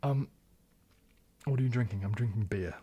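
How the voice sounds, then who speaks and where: A young man hosting a casual livestream Q&A, soft-spoken and often slipping into a whisper. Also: lowish voice, moderate pace, husky, dull audio. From New Zealand. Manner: soft-spoken, drifting into whispers, frequent restarts. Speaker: ASMR livestream host.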